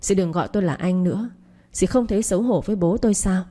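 A woman's voice: medium pitch, fast, warm tone, lightly acted. A woman voicing a guilt-ridden young man who speaks curtly and reproachfully to his stepmother. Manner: curt, reproachful.

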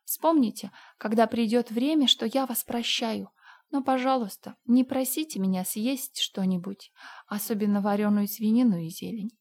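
A woman's voice: fairly high pitch, moderate pace. An actress playing Anne, a dreamy, dramatic orphan girl of about eleven, with emotional, theatrical pleading. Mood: tragic sulking.

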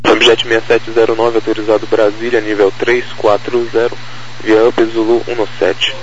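A man reading aviation clearances in a procedural, monotone way over radio. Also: on the low side, moderate pace. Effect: radio transmission. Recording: dull, faintly noisy aviation radio.

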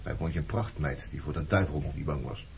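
A man's voice: extremely low pitch, fast. An actor playing a blunt, reproachful man questioning his former lover in a Dutch radio play. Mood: reflective, probing. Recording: muffled, noisy old radio recording.

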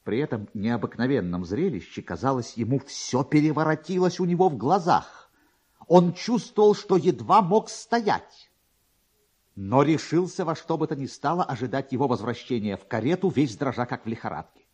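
A man narrating a literary story in a theatrical, expressive manner. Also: medium pitch, moderate pace, slightly rough.

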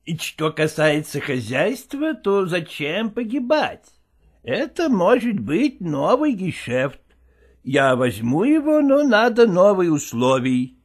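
Man voicing a secretive male theatre partner, Yiddish-flavoured accent, drawn-out, lively pitch swings, broken grammar. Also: exaggerated voice. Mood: hushed pleading. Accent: Yiddish-flavoured Russian. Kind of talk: audiobook character voice.

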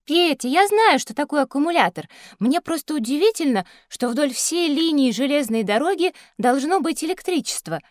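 A woman's voice: high-pitched, expressive, moderate pace, few pauses, no room sound, studio quality. A sensible young schoolgirl. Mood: curious. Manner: asks careful, reasoning questions. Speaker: child character asking questions. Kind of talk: studio audiobook acting for children. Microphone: studio microphone.

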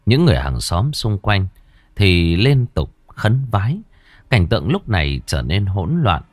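A man narrating a ghost story in a measured, suspenseful way. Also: low voice, sing-song, no echo.

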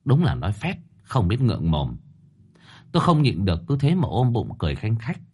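A man reading a first-person story aloud with expressive, dramatic delivery. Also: lowish voice, fairly quick, slightly rough.

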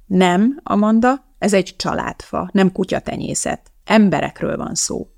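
Woman doing a strict, shouting schoolteacher. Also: mid-range voice, expressive, creaky. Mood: stern. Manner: scolding, bossy.

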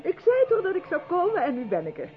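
An actress playing an effusive, self-absorbed white South African theatre director in a 1970s Dutch radio play, chatty and patronising in a theatrical way. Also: female voice, extremely high pitch, wildly swooping pitch, quick pace, faint music behind, exaggerated voice. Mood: bright, excited. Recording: dull vintage radio recording.

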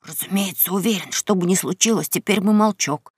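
A woman doing a hushed, bolder boy. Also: moderate pace, gravelly, breathy edge, no echo, studio quality, exaggerated voice. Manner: low conspiratorial whisper. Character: boy, the bolder leader, whispering. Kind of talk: audiobook character reading.

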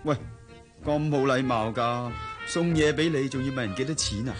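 Radio play: an actor as a bossy young Hong Kong suitor, mid-pitched, faint guitar. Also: male voice, normal speed, lightly acted. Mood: teasing. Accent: Hong Kong Cantonese. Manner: teasing, bossy. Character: young male suitor, generous but bossy. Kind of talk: radio drama acting.

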